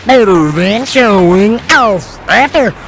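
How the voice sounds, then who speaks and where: A man voicing a boastful, simple-minded country tow truck in a cartoon game, with a pitch-shifting voice changer. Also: animated, slow pace, background noise, full character voice.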